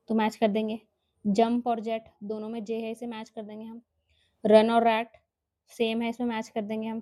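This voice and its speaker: A woman's voice: a little high, dark tone, no echo. A woman teaching children a workbook lesson, explaining each step patiently and often checking with okay, with an Indian English accent.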